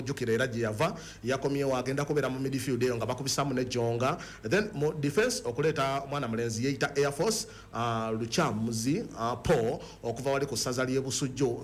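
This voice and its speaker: A man with a Ugandan accent presenting a football discussion, mixing English words and phrases into his speech. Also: medium pitch. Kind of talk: sports discussion.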